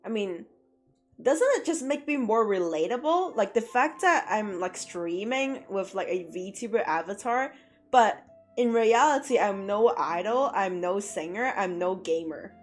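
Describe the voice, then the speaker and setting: Young female art streamer, self-deprecating and rambly, slightly sore throat, soft music under her talk. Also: medium pitch, animated, measured pace. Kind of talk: casual stream chat while drawing. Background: faint music.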